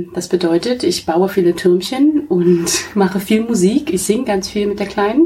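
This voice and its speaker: A woman at medium pitch with lively intonation, a moderate pace and hardly any pauses, against noticeable background noise. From Berlin. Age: 30s. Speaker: biochemist and mother. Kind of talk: casual interview.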